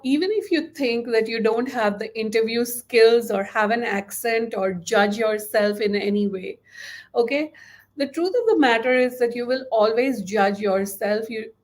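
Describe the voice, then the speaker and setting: Upbeat Indian woman pitching a course. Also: moderate pace. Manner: enthusiastic and encouraging, gesturing with both hands. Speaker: course host. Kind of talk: webinar sales pitch. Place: small room indoors. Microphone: webcam at desk.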